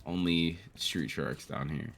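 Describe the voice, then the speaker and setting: A man's voice: sits low, steady tone, takes it slowly, creaky, background noise. A man co-hosting a let's-play, chatting casually with a friend in a rambling, sweary way. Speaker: co-host of a let's-play show. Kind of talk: casual gaming banter between friends.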